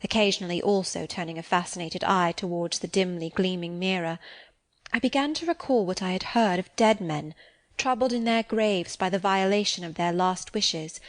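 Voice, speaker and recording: A woman narrating a classic novel for an audiobook. Her reading is measured and expressive, and she slows down for suspenseful phrases. Her voice sits in a middle register. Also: medium pitch. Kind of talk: scripted narration.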